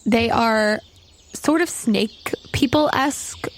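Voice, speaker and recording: A woman's voice: a little high, slow. Woman running a tabletop rpg, makes up descriptions as she goes, chatty, bit of noise n clicks on the recording. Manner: conversational, improvised descriptions. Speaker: game master. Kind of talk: narrating a tabletop roleplaying game.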